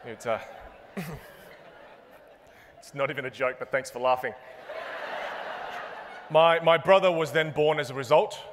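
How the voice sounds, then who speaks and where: A young man giving a comedic keynote on a large conference stage, animated and self-mocking, landing punchline after punchline. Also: a little high, a little slow, pauses often, noisy background. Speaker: keynote speaker and magician. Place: large conference stage before a live audience. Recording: long reverb of a big hall.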